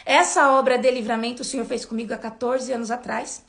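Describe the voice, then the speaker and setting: A Brazilian woman in her twenties, a church member, gives a personal faith testimony in a high, brisk voice with vocal fry. She tells it animatedly, repeating words for emphasis.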